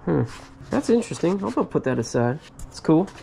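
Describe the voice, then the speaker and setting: A man's voice: on the high side, sing-song, normal speed, vocal fry, heavy background noise. Man musing over a storage locker find. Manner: musing aloud, lots of hmms and little laughs. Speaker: storage locker reseller host. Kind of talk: casual unboxing commentary. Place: cluttered metal storage unit.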